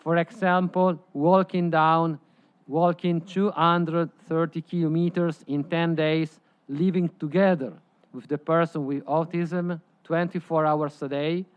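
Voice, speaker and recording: A man whose first language is Italian gives a prepared presentation at a conference, in slightly halting phrasing. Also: a little high, flat delivery, clear, resonant tone, highs cut off. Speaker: presenter at a conference side event.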